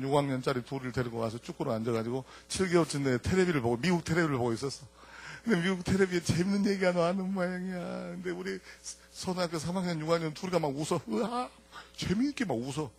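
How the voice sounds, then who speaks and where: An older man tells his testimony to a congregation with animated storytelling. He swings from loud punchlines down to quiet asides. His voice sits fairly high and sounds husky. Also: dry recording. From Jeolla, South Korea. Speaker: church elder giving a testimony talk. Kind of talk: lively storytelling testimony to an audience.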